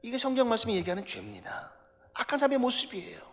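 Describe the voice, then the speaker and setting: A man preaching from the pulpit in a high, lively voice that swings widely up and down. He presses his point with repeated rhetorical questions and rises to loud emphasis. The sound carries a long church-hall reverb. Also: rapid-fire. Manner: emphatic, builds to loud passages. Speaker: pastor. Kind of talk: sermon. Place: church sanctuary.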